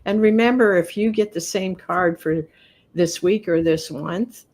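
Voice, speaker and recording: A woman with a low, unhurried voice leads a spiritual live stream, giving card readings in a gentle, earnest tone. She laughs softly now and then, and her voice sounds slightly worn. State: losing her voice. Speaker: host and card reader.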